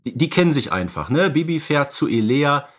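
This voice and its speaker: A man's voice: fairly high pitch, sing-song, brisk. A man co-hosting a podcast, explaining films conversationally and often adding little tag questions. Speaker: podcast co-host. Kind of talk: conversational film analysis.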